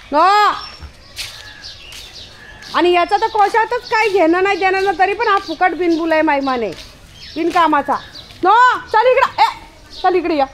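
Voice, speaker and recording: A woman, vlogging at home and scolding her pet dog in a loud, chiding way. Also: extremely high pitch, noisy background. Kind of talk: casual home vlog.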